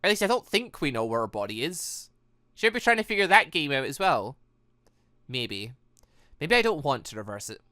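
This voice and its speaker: A video game let's-player giving rambling, excitable, casual commentary while playing. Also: mid-range voice, moderate pace, no echo, clean studio sound. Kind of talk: casual gameplay commentary and read-aloud.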